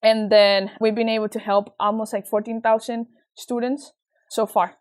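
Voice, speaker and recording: A young woman from Venezuela with a Venezuelan Spanish accent, talking as an interview guest with earnest, animated storytelling. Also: fairly high pitch, moderate pace. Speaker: guest, nonprofit founder. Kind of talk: casual interview chat.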